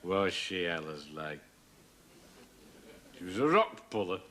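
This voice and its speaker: A man's voice: low voice, very animated, slow, very noisy, heavily acted. An actor playing a mocking, boozy black-sheep brother who works as a commercial traveller. He is cheeky and taunting and laughs at his own jokes. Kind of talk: 1970s TV sitcom acting.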